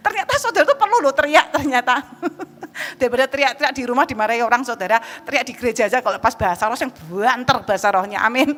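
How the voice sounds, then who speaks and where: A woman evangelist with a Javanese accent preaching a sermon in a church hall, lively and joking, often calling out to the congregation. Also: fairly high pitch. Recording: reverberant church hall, faint background noise.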